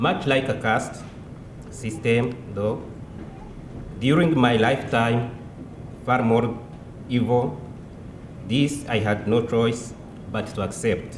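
Delivered at a very slow pace with long, frequent pauses and fairly even intonation, the speech carries audible room echo over light background noise. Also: man. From Rwanda. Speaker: genocide survivor giving testimony; speaker. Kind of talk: testimony. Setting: stage with audience at commemoration event. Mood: solemn, measured. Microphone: podium.

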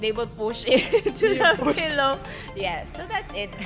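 Over clear music in the background, a woman with a high voice speaks at a very slow pace. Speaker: vlogger host. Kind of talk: casual talk, hosting a family game. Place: home room.

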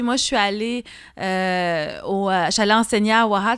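Against a quiet background with a dry sound and no echo, a woman speaks at a fairly high pitch and a moderate pace with ordinary pitch variation. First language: Innu (speaking French). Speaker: author and French teacher; French teacher. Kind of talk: interview. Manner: hesitant, many fillers. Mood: warm, reflective. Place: hall. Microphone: podium.

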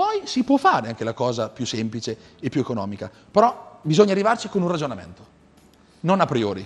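A man with a fairly high voice talks fairly quickly, his pitch swinging very widely. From Italy, Marche (Fano); Marche, Italy. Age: 30s. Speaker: heating systems business owner; guest. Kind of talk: interview. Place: studio. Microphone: lapel.

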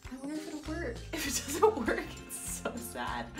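Over clear music in the background, a woman speaks at a moderate pace in a raised, projected voice. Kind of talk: casual vlog chat. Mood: nervous, excited. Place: bathroom. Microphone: phone near.

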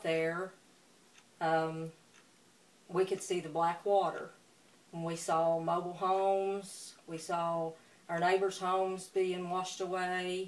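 In an Appalachian accent, a woman speaks very slowly with long, frequent pauses, her fairly low voice flat and monotone. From West Virginia. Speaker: flood survivor. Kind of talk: interview.

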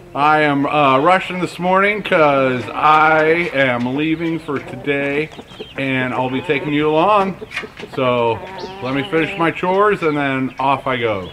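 Against noticeable background noise, the speech goes at a fairly slow pace. Its pitch variation is ordinary. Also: man. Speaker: homestead vlogger. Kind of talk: casual vlog chat. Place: farm. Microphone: phone near.

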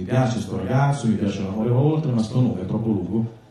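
A man speaks in a room with strong echo and light background noise. His pitch varies in an ordinary way. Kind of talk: stage banter to audience. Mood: relaxed, chatty. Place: stage.

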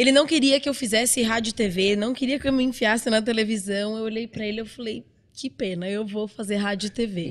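A woman at a fairly quick pace with hardly any pauses, ordinary pitch variation, and a quiet background. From Brazil. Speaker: TV producer and editor; podcast guest. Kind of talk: casual chat. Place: studio. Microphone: studio mic.

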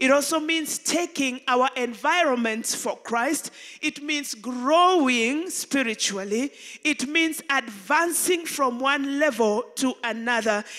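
A woman's high-pitched, bright, sharp voice in a Kenyan accent, very slow, with ordinary pitch variation and a quiet background. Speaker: pastor. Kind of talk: sermon. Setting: church. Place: church. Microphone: handheld.

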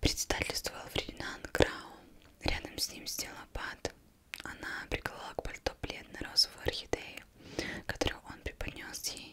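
A soft-spoken, whispering woman at a moderate pace, with long, frequent pauses and big swings in loudness. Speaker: audiobook reader. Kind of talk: literary reading aloud. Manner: soft ASMR whisper, slow reading. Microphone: studio mic.

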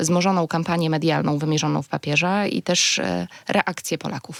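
Vocal fry runs through a woman's very deep, low voice. She speaks at a fairly quick pace with fairly even intonation. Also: dry, close sound with no echo. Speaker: radio presenter. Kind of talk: radio interview. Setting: radio studio. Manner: formal.

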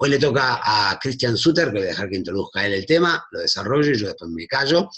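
At a moderate pace, the speaker talks against a quiet background. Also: man. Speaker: business consultant hosting a webinar. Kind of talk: webinar presentation. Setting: live video stream. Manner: animated. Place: home room. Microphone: video call.

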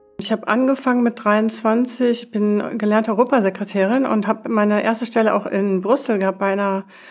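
At a fairly quick pace, a woman speaks with a fairly high pitch and fairly even intonation. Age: 50s. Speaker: flight attendant and coach; coach. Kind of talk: personal testimony interview. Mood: reflective, calm, personal. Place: studio. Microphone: lapel.

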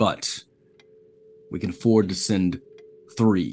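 A man puts on a gruff character voice, fairly low in pitch, speaking at a fairly slow pace with fairly even intonation. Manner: gruff, impatient, curt.

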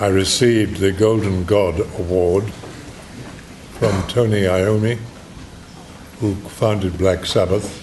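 A man speaks very slowly in a British accent, his fairly low voice monotone and flat, his loudness very even, with long, frequent pauses and light background noise. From London, England. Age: 80s+. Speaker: actor. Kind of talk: interview answer. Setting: lecture hall. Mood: calm, reflective.

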